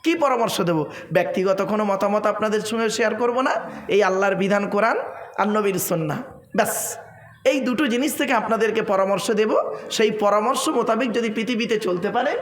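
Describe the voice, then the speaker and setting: High-pitched man preaching through echoey PA. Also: a bit bright. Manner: quizzes the crowd with call-and-response questions; laughs often, playful and teasing. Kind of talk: sermon at a religious gathering. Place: large gathering with a PA system. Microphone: stage microphone. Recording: echoey open-air PA sound.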